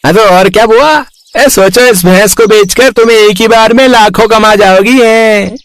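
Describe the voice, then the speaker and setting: A brash, cowardly village nephew from a cartoon, voiced by a man, with a high, smooth voice. He sounds dry and close to the mic. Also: moderate pace, a bit bright, no echo. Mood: scheming. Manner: brash and pushy.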